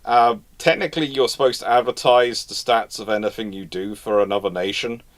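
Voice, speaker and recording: A man's voice: fairly low pitch, fairly even intonation, fairly quick. Man casually fielding history questions live. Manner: rambling, repeats and restarts phrases, informal expert. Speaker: host answering audience questions.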